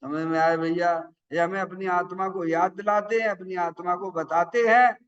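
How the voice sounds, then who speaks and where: A man's voice: high-pitched, fairly even intonation, normal speed, smooth. A man giving a sermon in a folksy, chatty way, often asking the listeners whether they understood. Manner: folksy, asks the audience questions. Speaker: Jain preacher. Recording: dull sound from far off the mic.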